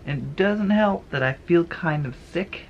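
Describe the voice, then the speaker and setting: A man's voice: on the high side, animated, measured pace. A young man vlogging to the camera, stuffed up with a cold and talking in a sarcastic, rambling way. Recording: slightly muffled, faint noise behind.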